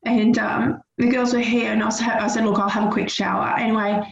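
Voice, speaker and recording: A woman, emotional and near tears, telling her story in a rushed, upset way as an interview guest. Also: on the high side, flat delivery, creaky, roomy sound, highs cut off. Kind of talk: phone interview.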